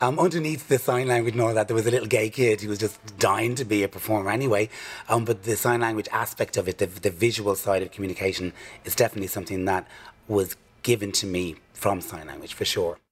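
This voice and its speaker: A man with a Dublin accent at a very fast pace with ordinary pitch variation, amid noticeable background noise. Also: fairly low pitch for a man. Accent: Dublin Irish. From Ireland, Dublin. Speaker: drag performer and bingo host. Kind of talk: interview.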